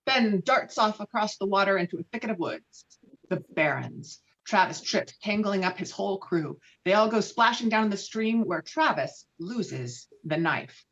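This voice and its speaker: A woman's voice: medium pitch, lively intonation, normal speed, a bit bright. A woman reading stage directions as the narrator of a dramatic script table read. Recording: dull, lo-fi call audio.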